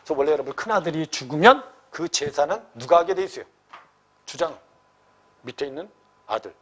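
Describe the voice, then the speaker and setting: Lively blunt Korean literature tutor, man. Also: on the high side, fairly quick. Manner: animated, blunt, slangy teacher voice with frequent check-ins to students. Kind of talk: lecture explaining a classical novel passage.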